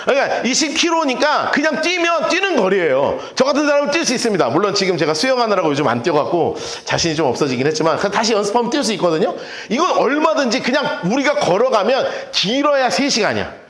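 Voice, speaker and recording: A man preaching a casual, playful sermon as pastor, acting out the people in his stories with quick little voices. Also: sits high, sing-song, fairly bright tone, echoey room. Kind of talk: lively sermon. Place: church sanctuary.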